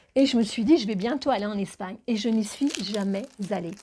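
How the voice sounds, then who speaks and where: A woman with a fairly high pitch at a fairly quick pace, ordinary pitch variation, and noticeable background noise. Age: 60s. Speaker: vlogger. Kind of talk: casual storytelling vlog.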